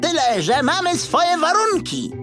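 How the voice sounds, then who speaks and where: Storybook rat sidekick: squeaky, cocky, excitable, swooping pitch. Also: male voice, unhurried, faint music behind, heavily acted. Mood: brash. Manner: cheeky, stammering when flustered. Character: boastful, jittery talking male rat sidekick.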